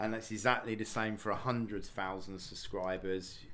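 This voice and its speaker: A man speaks at a moderate pace with a fairly low pitch and monotone, flat intonation. Light background noise sits behind him. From England. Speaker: YouTube live streamer. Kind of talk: casual live-stream chat with viewers. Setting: home room streaming to camera. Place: home room. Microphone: studio mic.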